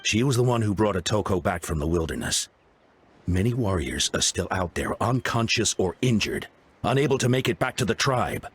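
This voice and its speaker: Deep, grave tribal leader. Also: male voice, very animated, normal speed, slightly rough, heavily acted. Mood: composed. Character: grave, composed male tribal leader reporting to allies. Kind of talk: scripted game voice acting.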